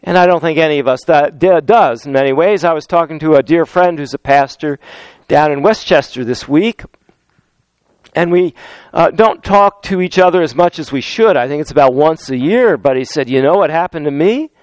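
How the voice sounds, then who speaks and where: A man with a fairly high, smooth and resonant voice, preaching a sermon. He weaves in stories and scripture and draws out key phrases for emphasis. The sound is close and dry. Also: no room sound. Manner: storytelling with anecdotes and scripture, slows down for emphasis. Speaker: pastor.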